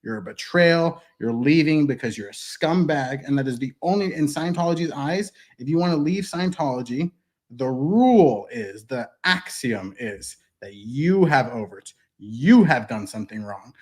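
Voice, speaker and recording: This thirty-something man is a guest in a relaxed interview, speaking with blunt emphasis and plenty of swearing into a desk mic in a wood-paneled studio. His medium-pitched voice is expressive and darkish, moving at a moderate pace.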